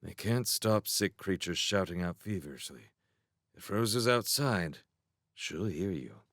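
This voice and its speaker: A man's voice: on the high side, expressive, normal speed, fairly bright tone, clear, resonant tone, no echo, voice pushed up. A man voices a crafty young male otter in a storybook reading. He plays the innocent with a raised, pleading tone, then drops to a conspiring whisper, on a dry close mic.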